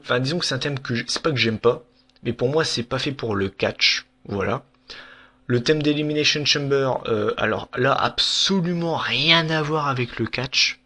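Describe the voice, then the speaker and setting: A man's voice: mid-range voice, fairly bright tone. A young man giving a casual, frank review of a wrestling year in a vlog, with lots of fillers and restarts.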